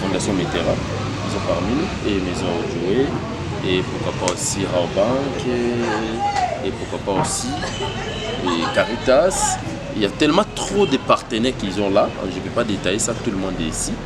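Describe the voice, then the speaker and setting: A young Congolese man, a pageant organizer, answering interview questions with many fillers and restarts. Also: deep voice. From Democratic Republic of the Congo. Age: young adult.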